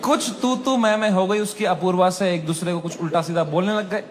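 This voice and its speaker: A male stand-up comedian tells a story in an animated, mocking way, swinging between hushed lines and shouted asides. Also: sits high, a little fast, heavy background noise.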